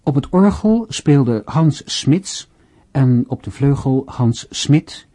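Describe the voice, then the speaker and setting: A man formally reading scripted closing credits as the announcer of a radio drama, in a measured manner. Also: medium pitch, expressive, dark tone.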